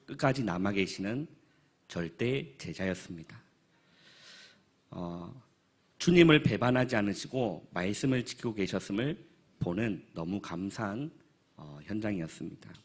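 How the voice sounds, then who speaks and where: A man in his thirties speaks with a low, husky voice as a pastor. He reports to a church forum in an earnest, halting way and often pauses on fillers. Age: 30s.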